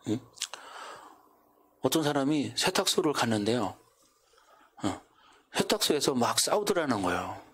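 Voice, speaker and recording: A man's voice: medium pitch, big pitch swings, measured pace, pauses often, a bit bright, slightly rough. A male pastor preaching a sermon in church, asking the congregation one rhetorical question after another and acting out what neighbors might say. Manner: acts out quoted neighbors in his own voice. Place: church sanctuary.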